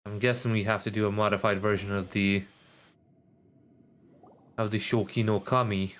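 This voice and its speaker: A man giving casual live commentary as a game streamer, musing and thinking out loud as he goes. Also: on the low side, little pitch movement, moderate pace, slight background noise.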